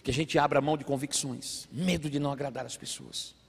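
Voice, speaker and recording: A man preaching a sermon as a pastor, telling a family story with animated acted-out voices. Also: medium pitch, a little fast, gravelly, husky. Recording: long hall reverb.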